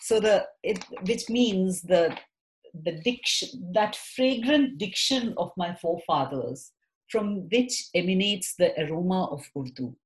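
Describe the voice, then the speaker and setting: Woman guest, lowish voice, thoughtful and halting. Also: animated, rough recording. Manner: thoughtful, with frequent restarts and hesitations. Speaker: poet and theatre practitioner guest. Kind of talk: reflective interview answers.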